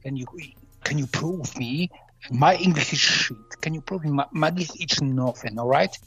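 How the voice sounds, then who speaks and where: A man's voice: fairly high pitch, moderate pace, a bit bright, breathy edge, poor audio. A man with a Polish accent, a native Polish speaker, bantering with friends, insistent, repetitive and swearing a lot. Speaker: friend in a group chat. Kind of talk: casual banter among friends.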